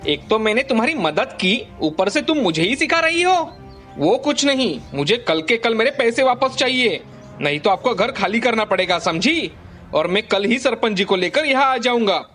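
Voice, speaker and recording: An actor voicing a greedy, scheming village moneylender who talks in a loud, sneering, threatening way. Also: male voice, very high voice, sing-song, moderate pace, faint music behind, exaggerated voice. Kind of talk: cartoon dubbing.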